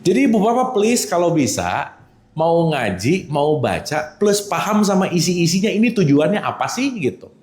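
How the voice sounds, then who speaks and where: A man delivers a relaxed religious lesson, his voice swinging widely up and down as he teases and checks on his listeners. He sits slightly high for a man. The room adds a clear echo. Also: moderate pace. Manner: animated, teasing, checks in with the audience. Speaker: religious teacher. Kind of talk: casual religious lecture.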